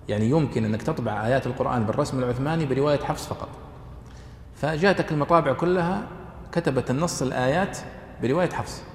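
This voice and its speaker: A man lectures quickly to students, explaining text points with frequent pauses, restarts and fillers. His voice rings through a large reverberant hall with a faint hum of room noise underneath. The delivery is steady, teacherly and unscripted. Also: medium pitch. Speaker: lecturer on Quranic exegesis. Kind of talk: classroom lecture.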